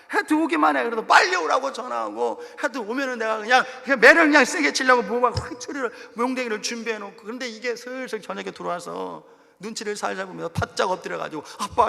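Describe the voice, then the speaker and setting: High, gravelly-voiced pastor preaching in a hall. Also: male voice, fast talker. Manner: animated, acts out quoted voices, addresses congregation directly. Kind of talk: sermon. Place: church sanctuary. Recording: long hall reverb of a church.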